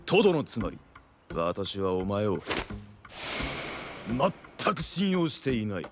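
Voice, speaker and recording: An actor playing a stern but easily flustered black-suited guard in an anime, clipped and commanding, melodramatic when rattled. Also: male voice, lowish voice, big pitch swings, slow pace, over music, exaggerated voice. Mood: stern, menacing. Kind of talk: dramatic Japanese anime acting.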